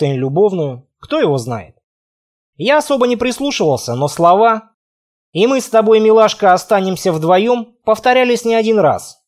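A man's voice: high voice, a little mellow. A man narrating a first-person fantasy audiobook in a wry, conversational way.

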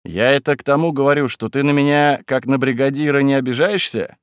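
A man's voice: mid-range voice, fairly quick, clean tone, dry recording, clean studio sound, close to an everyday voice. A man voicing an earnest middle-aged village foreman who speaks firmly and persuasively. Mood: persuading. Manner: firm and persuasive.

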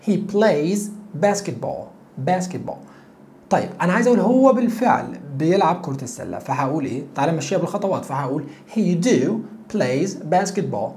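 A man with an Egyptian Arabic accent teaching English grammar, repeating example sentences slowly and asking the viewer rhetorical questions. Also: on the high side, sing-song, mellow, slight background noise. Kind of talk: grammar lesson explanation.

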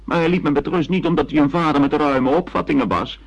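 An actor playing a bitter, provocative grown son in a radio drama, talking in a sardonic, accusing way. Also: male voice, on the high side, quick pace, vocal fry. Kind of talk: Dutch radio drama acting. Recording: dull, muffled radio play recording.

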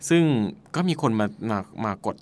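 Man tech show co-host, casual news chat, hesitant, repeats words, polite endings. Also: moderate pace.

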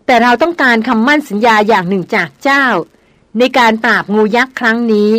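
A woman's voice: a little high, brisk, fairly bright tone, no room sound, natural voice. Stern, bold young woman read by a woman narrator, storybook dialogue. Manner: stern, demanding.

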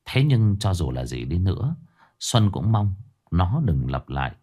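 A man telling a ghost story, in a low voice. His delivery is dramatic and lively, with pitch rising and falling to build suspense. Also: a little slow.

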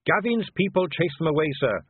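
A man's voice: fairly high pitch, very animated, a little fast, slightly rough, no room sound, voice pushed up. A man voicing an earnest, cheerful young male watch captain in an audiobook, polite and eager. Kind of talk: audiobook character voice. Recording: dry, narrow phone-like sound.

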